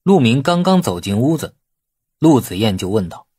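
A man narrating a novel as an audiobook in an expressive, dramatic storytelling manner. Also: medium pitch, normal speed, husky, no echo, clean studio sound.

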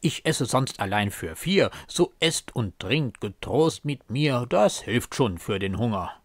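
A man's voice: medium pitch, expressive, unhurried, dry recording, studio quality. A man playing a hearty mercenary soldier. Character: bold hungry young male mercenary soldier.

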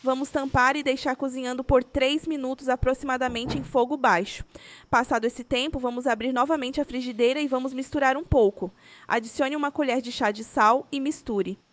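Higher-pitched Brazilian woman narrating. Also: fairly even intonation, fairly quick. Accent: Brazilian Portuguese. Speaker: recipe video host. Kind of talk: scripted recipe voice-over narration.

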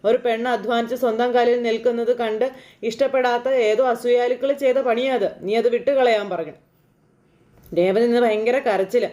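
A woman's voice: fairly high pitch, steady tone, a little fast, warm tone. A woman casually retelling a TV serial episode in a chatty, conversational way, often turning to the listener. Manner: chatty, conversational, frequent fillers addressing the listener. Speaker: serial episode recap narrator.

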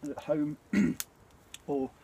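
A British man in his forties chatting casually and reflectively to camera, with a hesitant, throat-clearing delivery. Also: fairly high pitch, drawn-out words, warm tone. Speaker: bushcraft vlogger. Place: outdoors at night by a small campfire. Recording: clear ambient noise of an outdoor campfire.

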